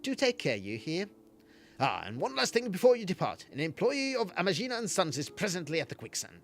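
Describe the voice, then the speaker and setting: A man's voice: high voice, wildly swooping pitch, brisk, voice pushed up, heavily acted. A man voicing a formal, courteous official in a game, reading quest dialogue in a polite, old-fashioned way.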